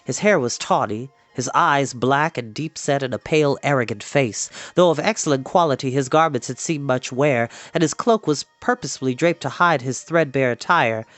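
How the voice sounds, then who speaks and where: A man reading a fantasy novel aloud as an expressive storyteller. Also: medium pitch, normal speed, few pauses, no room sound. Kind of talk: expressive audiobook-style narration. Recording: music playing behind the voice. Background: background music.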